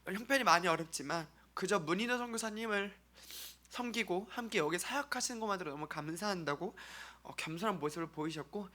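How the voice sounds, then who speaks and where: A man from South Korea presenting an earnest mission-trip testimony to a congregation as a church member, speaking haltingly with pauses. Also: sits high, pushed and bright.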